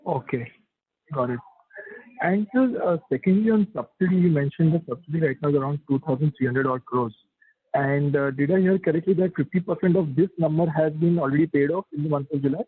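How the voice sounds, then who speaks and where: A man's voice: fairly high pitch, a little fast, husky. A man with an Indian accent, an analyst asking polite, hesitant questions on an earnings call by phone. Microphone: telephone. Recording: thin phone-line audio.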